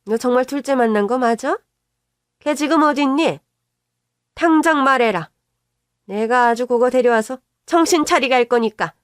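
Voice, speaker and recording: A shrill, high-pitched older mother-in-law who shrieks her scolding and defends her son at every turn, as a woman puts her on. The reading is close and dry, in the manner of a storybook radio drama. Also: normal speed, pauses often, no echo, close to an everyday voice. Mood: demanding.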